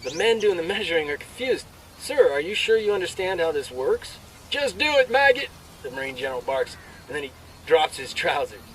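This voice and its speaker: A man's voice: fairly high pitch, big pitch swings, a bit bright, slight background noise. Brash male soldier for a video game: crude, cocky storyteller, slightly distant, over faint vehicle ambience. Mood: cocky, joking. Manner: crude, swaggering, drawn-out punchline delivery. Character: brash, crude male army soldier cracking off-duty jokes. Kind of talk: military banter, performed joke storytelling.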